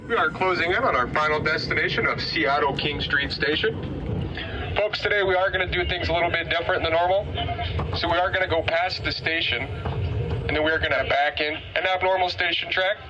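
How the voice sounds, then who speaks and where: A man, a train conductor, making relaxed passenger announcements over the intercom. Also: a little high, brisk, highs cut off, noisy background.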